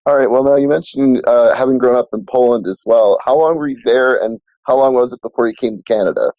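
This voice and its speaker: A man hosting an interview, asking brisk, friendly questions. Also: mid-range voice, no room sound, lo-fi sound. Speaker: podcast host.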